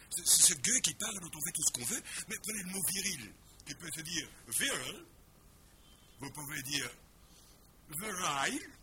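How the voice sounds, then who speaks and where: A man's voice: on the high side, background noise. A man giving a lecture in an emphatic way, often repeating words as he explains. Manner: drops in English words with exaggerated pronunciation.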